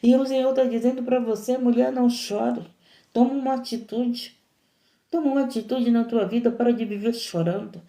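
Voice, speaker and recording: A woman's voice: a little high, fairly even intonation, moderate pace, dark tone, reverberant. A woman, a missionary preaching a sermon in an impassioned, repetitive, emphatic way.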